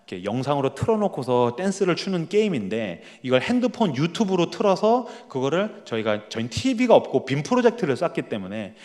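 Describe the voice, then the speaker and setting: A man, a pastor, preaching at an evening church prayer meeting, telling a family story in a lively, animated way and acting out the people in it. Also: on the high side, brisk, few pauses, in a large hall. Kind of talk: sermon storytelling.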